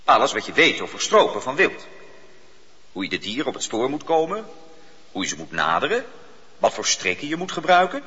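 Cold scheming judge. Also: male voice, mid-range voice, big pitch swings, fairly quick, pauses often, bright, forceful tone. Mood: commanding. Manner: commanding, coolly probing. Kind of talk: radio drama acting. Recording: dull old radio recording with long reverb.

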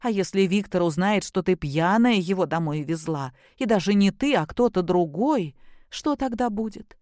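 Lady doing a soft gentle young woman, quiet, coaxing. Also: medium pitch, lively intonation, moderate pace, no room sound, clean studio sound, lightly acted.

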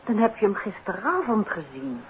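Actress as inquisitive wife, tinny old radio. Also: female voice, medium pitch, sing-song, normal speed, natural voice. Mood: curious, insistent. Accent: Netherlands Dutch. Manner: questioning, direct. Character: inquisitive, insistent wife of a detective. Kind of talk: 1950s Dutch radio play acting. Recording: tinny, noisy 1950s radio recording.

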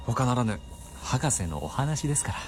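A man's voice: medium pitch, big pitch swings, normal speed, background noise, natural voice. An actor playing a polite man who stammers as he tries to break into a long lecture. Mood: deferential. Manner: deferential, stammering. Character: polite man struggling to interrupt a rambling doctor.

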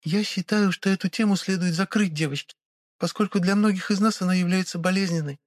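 A man voicing a stern, composed young woman who speaks in a strict, measured way. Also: high voice, fairly even intonation, pitched above the performer's own voice, lightly acted. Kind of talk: audiobook character voice.

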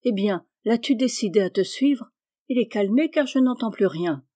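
A woman's voice: a little high, expressive, moderate pace, mellow. A woman reading aloud, voicing an exasperated peasant aunt who scolds and grumbles. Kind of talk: audiobook reading.

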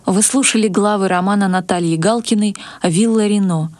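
A woman's voice: medium pitch, normal speed, a little mellow, soft background music. Woman announcer reading radio programme credits. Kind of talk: scripted closing credits announcement.

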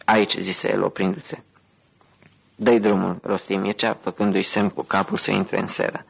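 A man narrating an audiobook with a steady, even reading. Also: deep voice, creaky, husky, low-quality recording.

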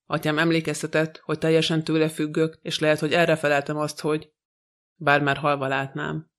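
A storybook's defiant young son, bitter and hot-tempered, as a male narrator reads him. The delivery stays flat and even. The voice sits a little high for a man.

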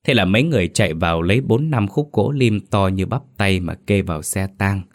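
Man, very deep voice, steady ghost story narration. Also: fairly quick.

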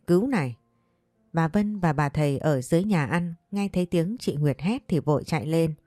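A woman telling a ghost story in the first person, in a steady dramatic manner. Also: lowish voice, no room sound, clean studio sound.

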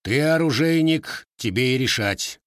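A gruff, growling old Cossack grandfather, as a man puts him on for an audiobook. His voice is stern and curt, recorded dry and close. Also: mid-range voice, lively intonation, a little slow, fairly bright tone, no echo, voice pushed up.

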